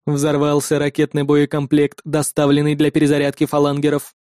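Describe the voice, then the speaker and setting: A man reading an audiobook who voices a calm, terse male combat android, speaking in a cold and measured way. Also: on the high side, no room sound, clean studio sound, voice pushed down. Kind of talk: audiobook character voice.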